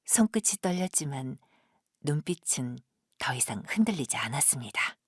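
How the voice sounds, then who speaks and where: A woman professional narrator reading a scripted audio drama in a measured, gentle storytelling manner. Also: a bass voice, very animated, husky.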